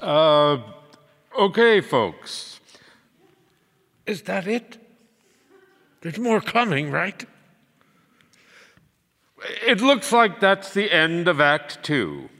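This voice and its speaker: A man's voice: high-pitched, sing-song, very slow, long pauses, a bit bright, big-room sound, full character voice. A man playing a hesitant radio-show host. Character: awkward adult male radio-show host.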